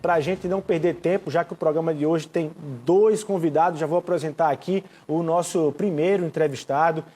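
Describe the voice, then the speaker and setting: A man's voice: fairly high pitch, fairly even intonation, a little fast, warm tone. A man presenting a live political interview show as its host.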